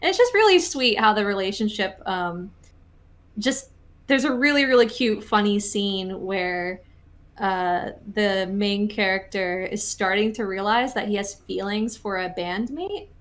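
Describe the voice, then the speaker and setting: A woman co-hosts a podcast in a loose, casual chat. She talks at an ordinary middle pitch, stops and restarts her sentences, and fills gaps with lots of little fillers. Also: unhurried. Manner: chatty, heavy on fillers and restarts. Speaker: podcast co-host.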